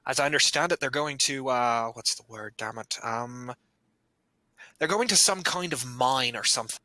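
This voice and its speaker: Man doing an old centaur ranger, strict but fair, rambling, very bright, dry. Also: medium pitch, normal speed, no echo, natural voice. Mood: easygoing.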